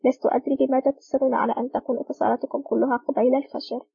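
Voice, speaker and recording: A woman reading the lines of a smug, soft-spoken male villain boss in an audiobook, sly and mocking. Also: extremely high pitch, flat delivery, racing, gravelly, slightly rough, no echo, highs cut off, exaggerated voice.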